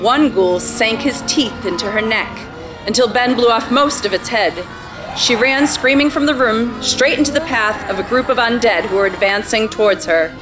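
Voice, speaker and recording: A woman's voice: a little high, moderate pace, rough recording. A woman reading scripted narration for a radio play on stage. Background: loud music.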